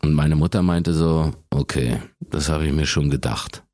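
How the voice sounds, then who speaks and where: A man in his forties with an extremely deep bass voice, telling stories casually as the guest in an interview. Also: normal speed, mellow, no room sound, studio quality. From Germany.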